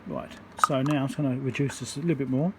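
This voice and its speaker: Working at an indoor repair bench, a mid-range-voiced man talks through a hands-on electronics fix, his thoughts coming out informal, halting, and step by step. The recording has a constant background hum plus room noise.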